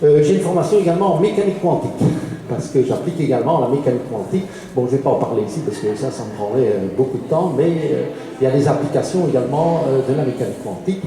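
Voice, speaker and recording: A man's voice: mid-range voice, fast talker, crowd noise. A man in his fifties with a Liège Belgian accent, giving a public lecture in a hesitant way, with many fillers and small chuckles between points. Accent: Liège Belgian French. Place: large lecture hall. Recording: echoey hall with long reverb.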